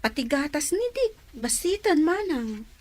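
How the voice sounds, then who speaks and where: A woman's voice: high voice, very animated, a little slow, darkish tone. A woman playing a needy younger woman in a radio drama, plaintive and informal. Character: needy younger woman, anxious about household money.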